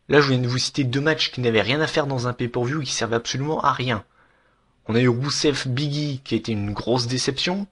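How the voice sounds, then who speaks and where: A young man giving a casual, frank review of a wrestling year in a vlog, with lots of fillers and restarts. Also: medium pitch.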